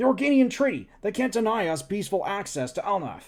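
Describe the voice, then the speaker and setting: Using a put-on character voice, a man talks at a very fast pace with a high pitch and very wide pitch swings. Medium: game stream. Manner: blunt, argumentative.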